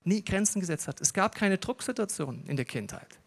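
A male preacher with a notably high voice delivers a sermon full of personal stories. He jokes with the audience and talks to them directly. The sound carries a long reverb from a large hall. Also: a little fast, creaky. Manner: lively storytelling, jokes with the audience.

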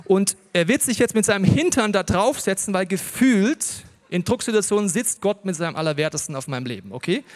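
High-voiced preacher in a reverberant hall. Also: male voice, a little fast, few pauses. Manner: lively storytelling, jokes with the audience. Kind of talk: sermon. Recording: long reverb of a large hall.

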